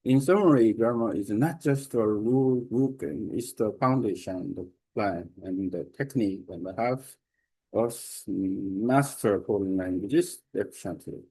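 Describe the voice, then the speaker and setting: A man with a low, dark voice teaches a language lesson over a screen share, reading AI-generated text aloud. His English is halting and non-native, dotted with fillers and throat clearing. The rough recording comes from a computer mic on a video call.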